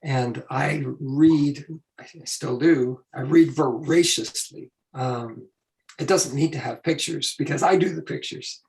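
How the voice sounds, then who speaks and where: Gravelly man losing his voice. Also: mid-range voice, a little slow, darkish tone, low-quality recording. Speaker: illustrator panelist. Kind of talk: casual panel talk.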